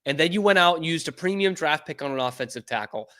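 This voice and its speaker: A man from New England hosting a sports show, talking casually and getting excitable and profane. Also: fairly high pitch, fast.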